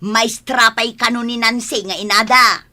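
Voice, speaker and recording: A woman playing a bright-voiced scolding mother. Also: a little high, steady tone, measured pace. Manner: scolding, complaining.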